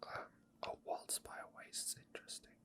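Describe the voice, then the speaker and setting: At moderate speed, a man whispers his way through a video game session, giving off-the-cuff ASMR commentary with almost no voicing. He's a game streamer whose murmured, hesitant talk is full of small side remarks.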